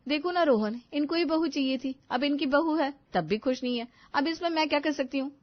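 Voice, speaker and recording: A woman's voice: high-pitched, a little fast, dry recording, muffled recording, pitched above the performer's own voice, lightly acted. Woman doing a bossy young daughter-in-law. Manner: bossy, mocking, commanding.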